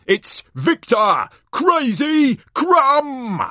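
A man voicing a bombastic sports announcer from a storybook, a booming showman with drawn-out theatrical calls. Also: big pitch swings, sharp tone, no room sound, studio quality, full character voice. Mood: showy, excited. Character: bombastic male sports announcer hyping a tournament.

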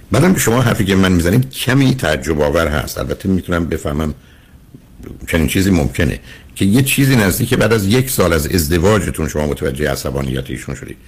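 Deep husky older man counseling. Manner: earnest, lecturing, addresses caller as dear. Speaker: radio counseling host. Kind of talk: call-in counseling advice.

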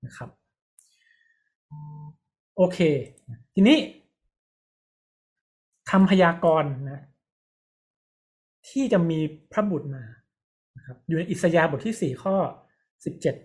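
A man's voice: on the high side, lively intonation, slow, pauses often. A man preaching at the front of a congregation. He explains each point plainly and keeps throwing short questions back to the room to win their agreement. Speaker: pastor. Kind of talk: sermon teaching.

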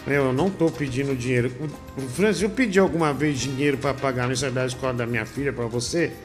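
A man's voice: medium pitch, fast talker, soft background music. A man hosting a comedy show, reading viewer messages aloud in a rambling, joking way. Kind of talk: reading superchats, bantering.

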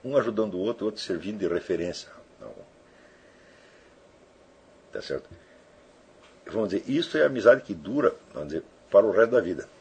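A man with a low, heavily husky voice talks through an informal lecture as a teacher. He keeps checking in with his listeners with short tag questions, and his pitch moves up and down with lively variation. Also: a little fast, long pauses.

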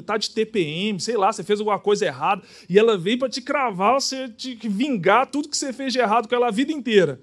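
A man preaching a sermon, lively and acting out everyday dialogues. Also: high-pitched. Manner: animated, acts out dialogues.

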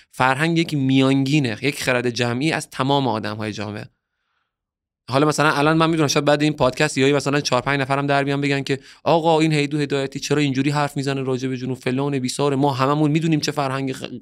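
Man, from southern Iran, podcast guest, middle-pitched voice, opinionated, earnest, heated at times. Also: a bit bright, clean tone. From Bushehr, southern Iran. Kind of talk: casual podcast conversation.

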